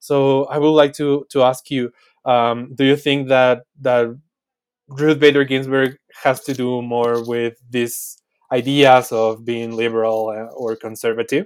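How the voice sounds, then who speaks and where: A man's medium-pitched, flat monotone with a Spanish accent. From Mexico. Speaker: podcast host and law student. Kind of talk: interview. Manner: halting, many fillers.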